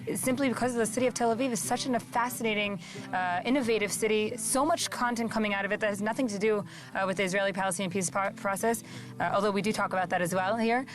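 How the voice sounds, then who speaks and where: A woman giving an interview answer, quick and eager with fillers. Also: medium pitch. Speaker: interviewee, station founder.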